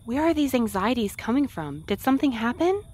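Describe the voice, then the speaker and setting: A woman's voice: fairly high pitch, a little hiss or hum. A woman acting in a fiction podcast as a caring, romantic courier who speaks expressively and banters playfully. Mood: concerned. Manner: expressive, solicitous, quick to banter.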